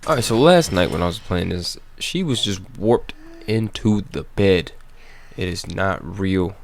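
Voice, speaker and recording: A man's voice: low-pitched, expressive, measured pace, gravelly, a little hiss or hum. A man giving casual, slangy, grumbling commentary as he plays through a video game. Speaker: gaming video host. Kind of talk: casual blind playthrough commentary. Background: video game audio.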